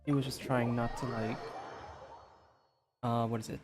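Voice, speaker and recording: A man's voice: medium pitch, little pitch movement, unhurried. A man giving informal let's-play commentary, thinking aloud casually over game music. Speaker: video game streamer.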